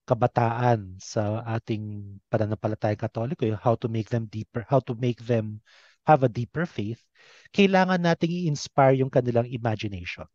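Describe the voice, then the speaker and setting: A man with a Filipino accent hosting a casual interview, earnest and a little halting as he forms his thoughts. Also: medium pitch, mellow, dry recording, highs cut off. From Philippines. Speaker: interview host. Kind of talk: casual conversational interview, mixing two languages.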